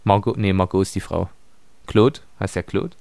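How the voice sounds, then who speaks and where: A man's voice: deep voice, steady tone, normal speed, vocal fry, a little mellow, dry recording. A man in a casual book discussion, arguing his view as a podcast panelist.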